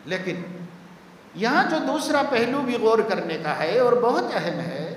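High-voiced man preaching in an echoey hall. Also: slight background noise. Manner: emphatic, repeats key words for stress. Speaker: maulana preaching. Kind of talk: Friday sermon. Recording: echoey hall with long reverb.

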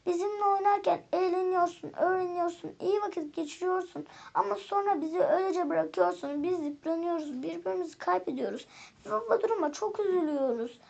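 A woman reading a storybook, voicing the oldest toy, a sad and wise white teddy bear who speaks gently. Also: very high-pitched, expressive, moderate pace, lo-fi sound. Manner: gentle rhyming, sorrowful pleading.

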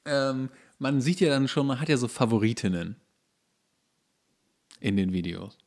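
Male podcast co-host, gravelly mid-range voice, halting comedic banter. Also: medium pitch, animated, darkish tone. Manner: hesitant, stammers and repeats phrase openings.

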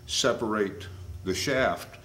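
Older guy, real low voice, folksy rambly shop talk, mic a ways off. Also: slow, fairly bright tone. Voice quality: folksy, rambling with many fillers. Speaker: woodworking instructor. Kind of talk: casual workshop demonstration. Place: home workshop, indoors. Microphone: camcorder mic at a distance. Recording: roomy workshop sound, distant mic, clear background noise.

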